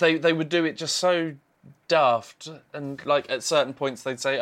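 The pace here is moderate. An English accent comes through. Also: man. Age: 30s. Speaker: podcast co-host. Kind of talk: casual chat. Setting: livestream, remote call.

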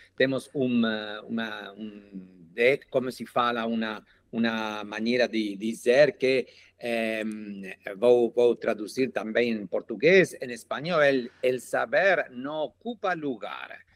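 A man with a non-native accent speaks at a very slow pace, at medium pitch with ordinary pitch variation. The recording is very clean, with a silent background. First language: not Portuguese (speaking Portuguese). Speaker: Portuguese language learner. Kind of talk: casual conversation practice. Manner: halting.

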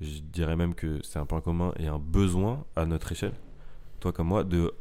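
The man's voice is very deep and low in pitch, with a dark, mellow tone. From France, Paris. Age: 20s. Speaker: podcast co-host. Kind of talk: casual chat. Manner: loud.

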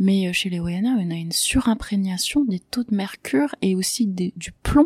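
A woman with a medium-pitched voice talks at a fairly slow pace with very wide pitch swings, in a dry, close sound with no echo on a very clean recording with a silent background. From French Guiana. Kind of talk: interview.

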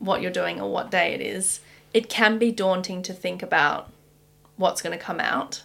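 Calm in tone, a woman speaks at a moderate pace. She has an Australian accent. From Australia, Sydney. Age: 30s. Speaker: business executive. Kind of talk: interview.

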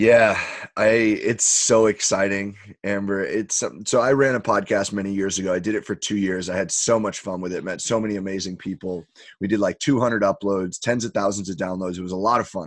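A man with a plain, everyday voice speaks at a fairly quick pace and fairly low pitch, with fairly even intonation. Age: 20s. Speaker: entrepreneur and performance coach. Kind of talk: casual interview chat. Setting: podcast interview.

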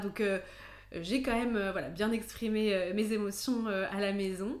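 Audible room echo surrounds a woman's voice of medium pitch. She speaks at a fairly slow pace. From France, near Grenoble. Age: 20s. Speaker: podcast guest sharing personal story. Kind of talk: casual interview testimony. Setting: at the host's home. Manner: hesitant, many fillers.

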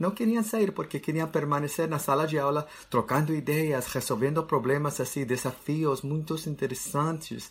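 Somewhat breathy, a man with a non-native accent and a fairly high pitch speaks at a moderate pace with ordinary pitch variation and hardly any pauses. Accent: non-native Portuguese speaker, learner. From United States. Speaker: education researcher, math teacher trainer. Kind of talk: interview conversation. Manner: halting, hesitant.

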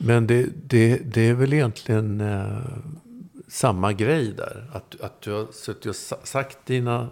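Very slow, fairly even speech from a man with a medium pitch. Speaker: podcast guest. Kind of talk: casual chat. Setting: at home.

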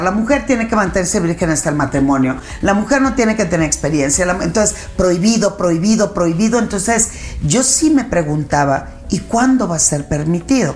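There is noticeable background noise as a woman at medium pitch talks at a moderate pace with very wide pitch swings. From Mexico, Sinaloa (Culiacán). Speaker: sexologist. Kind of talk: casual interview.

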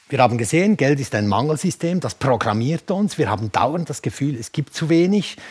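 The intonation of this man is lively. He keeps to a moderate pace. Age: 60s. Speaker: journalist and publisher. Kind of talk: lecture. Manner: hesitant with frequent fillers.

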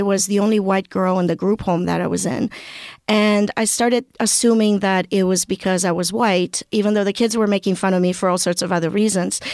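With an unremarkable speaking voice, a woman speaks at a moderate pace and medium pitch, her intonation fairly even and her loudness very even, in a dry, close sound with no echo on a very clean recording with a silent background. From Romania, raised in Canada from age eleven. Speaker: former far-right recruiter turned activist. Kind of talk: interview testimony.

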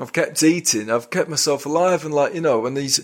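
At a moderate pace, a man with a normal speaking voice talks in a fairly high pitch with ordinary variation. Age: 30s. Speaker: poet and comedian. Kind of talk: casual chat.

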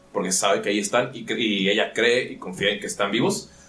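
Noticeable background noise and audible room echo are present. A man speaks over them at a very fast pace. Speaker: podcast host and tabletop role-playing game master. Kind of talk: casual chat and game narration. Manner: animated.

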